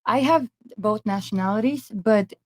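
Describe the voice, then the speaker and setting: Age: 20s. Sex: woman. Origin: from Italy. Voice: mid-pitched. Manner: hesitant, explanatory. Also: moderate pace. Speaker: podcast guest.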